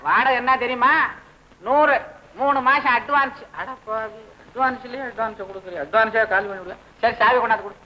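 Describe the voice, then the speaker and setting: An actor playing a gruff, suspicious older landlord in an old film, blunt and bossy. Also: male voice, very high-pitched, steady tone, a little fast, pushed and bright, slight background noise, heavily acted, poor audio. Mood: haggling. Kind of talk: 1960s Tamil film acting.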